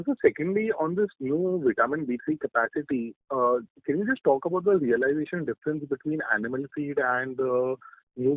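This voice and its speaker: A thin, dry telephone line carries a man. His pitch is average for a man. He speaks as an analyst posing questions on a company earnings call. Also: dry recording. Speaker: financial analyst asking questions. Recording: dry, narrow phone-line audio.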